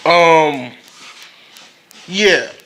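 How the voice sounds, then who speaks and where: A man on a fuzzy, distorted microphone with a high, bright, ringing voice. He rambles through a casual group discussion, restarting and correcting himself as he goes. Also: drawn-out words, slight background noise. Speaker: podcast co-host.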